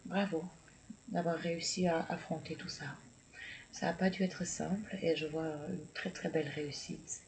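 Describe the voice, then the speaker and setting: A man reading tarot and oracle cards for viewers, talking slowly and hesitantly with many fillers, and encouraging and congratulating the listener. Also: fairly high pitch, steady tone, darkish tone, rough recording. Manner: slow, hesitant, with many fillers and repeated words. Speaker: tarot and oracle card reader. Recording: clear background noise.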